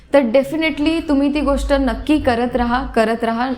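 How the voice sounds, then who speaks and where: A woman's voice, high in pitch. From Mumbai, India. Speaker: chess boxer. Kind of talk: life story testimony.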